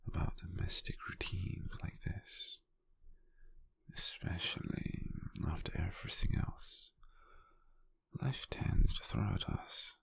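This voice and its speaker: Man acting as a tender British boyfriend, very low gravelly voice, husky half-whisper, slow, teasing, intimate ASMR roleplay. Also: dry recording, heavily acted. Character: gentle, doting, teasing male lover cooking at home. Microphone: close microphone.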